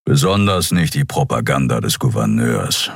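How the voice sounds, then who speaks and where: A man's voice: rumbling low, expressive, moderate pace, creaky, breathy edge, no room sound, studio quality, voice pushed down, heavily acted. A man voicing a grim lion-headed male warrior who talks in terse growls.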